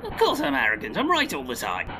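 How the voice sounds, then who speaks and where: An actor playing an arrogant, excitable novelist in a comedy audio drama, self-satisfied and exclamatory. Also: male voice, mid-range voice, fast talker, noisy background. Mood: smug. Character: arrogant, excitable younger George Orwell, comic novelist.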